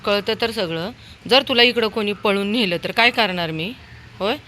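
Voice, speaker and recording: Bright-voiced woman scolding her dog. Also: normal speed, slight background noise. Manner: scolding a runaway dog in a loud high voice. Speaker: dog owner filming her pet. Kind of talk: casual vlog talk. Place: outdoors by a road.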